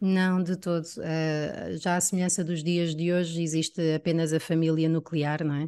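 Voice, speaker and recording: A woman speaks at a moderate pace in a fairly low, dark and mellow voice, her intonation flat and monotone, her loudness very even, and hardly any pauses. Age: 30s. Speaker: mother and radio personality. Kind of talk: podcast interview, personal testimony.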